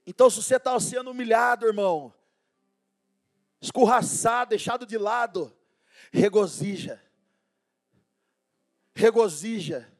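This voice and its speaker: A pastor preaching a sermon in a loud, animated, slangy way, dropping to low murmurs and laughing at his own stories. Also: normal speed, long pauses, faint music behind.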